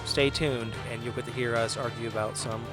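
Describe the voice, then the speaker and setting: A man's voice: mid-range voice, steady tone, brisk. A man, the podcast host, casually addressing listeners in a rambling way with fillers. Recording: music bed behind voice.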